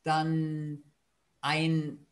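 A man answering interview questions in a calm, matter-of-fact way. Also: on the high side, very slow. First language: German. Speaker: guest.

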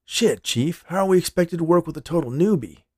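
A man's voice: fairly high pitch, animated, brisk, a little mellow, husky, no room sound, pitched above the performer's own voice. A male narrator puts on a distrustful security guard in an audio story. He grumbles and complains, resentful of newcomers, his voice lifted above the narrator's and recorded dry. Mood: suspicious, annoyed. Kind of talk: audio fiction character dialogue.

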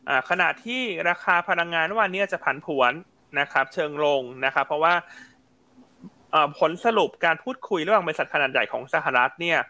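Brisk, bright male market host, casual. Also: fairly high pitch. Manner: fast, chatty, apologetic asides. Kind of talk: casual live market talk.

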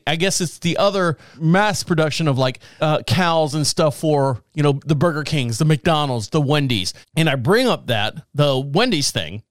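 A man in his forties with a high voice rambles through the news in casual podcast commentary, joking and laughing as he goes. He is recorded close on a dry mic. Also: fairly bright tone, clear, resonant tone, no echo. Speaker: podcast host.

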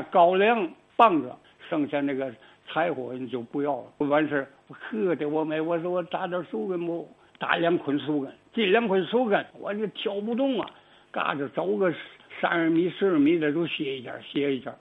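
An older man, telling stories about his own life in a folksy, animated way with many asides to the listener. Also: fairly high pitch, creaky, slightly rough. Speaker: storyteller. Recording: tinny phone-like radio recording.

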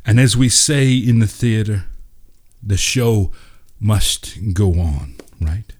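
A man voicing a wistful, wryly humorous widowed man of the theatre in a storybook, slow and musing. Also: on the low side, darkish tone. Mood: wry, amused. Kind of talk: storybook dialogue reading.

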